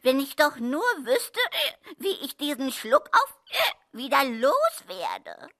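Small good-natured mole, children's puppet show: slow, bright, expressive exclamations, often bewildered. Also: female voice, sits high, full character voice. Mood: plaintive.

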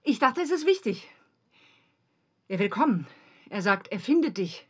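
A woman's voice: mid-range voice, very animated, normal speed, breathy edge. An actress playing a controlling mother who pleads, insists and repeats herself. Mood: pleading. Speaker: mother of the family. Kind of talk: film drama acting.

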